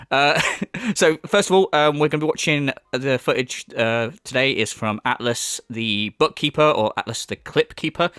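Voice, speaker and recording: A man's voice: on the high side, a bit bright, clear, resonant tone, dry recording, clean studio sound. A man hosting a commentary vlog in a sarcastic, mocking way, swearing and using many fillers, his voice a little off from a cold. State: slightly off voice from a cold. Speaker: commentary channel host.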